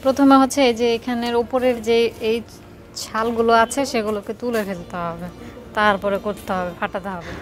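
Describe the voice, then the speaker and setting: A woman's voice: fairly high pitch, fairly even intonation, fairly quick. A young woman from Bangladesh with a Bangladeshi Bengali accent, chatting casually as a vlogger about her day. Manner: chatty, narrates her daily chores as she goes. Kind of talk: casual vlog narration. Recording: music playing under the voice.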